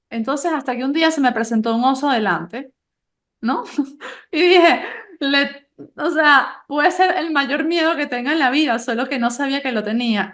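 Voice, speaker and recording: A woman podcast host, asking questions and telling stories in an animated, conversational way. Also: high voice. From Venezuela. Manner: warm, animated storytelling with laughs.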